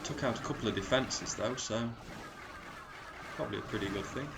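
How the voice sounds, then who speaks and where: A man with a cold, sounding croaky and sniffly, casually commentating strategy game replays and calling out percentages. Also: fairly low pitch, brisk, very noisy. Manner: relaxed, chatty, calls out percentages. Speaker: clan leader commentating war replays.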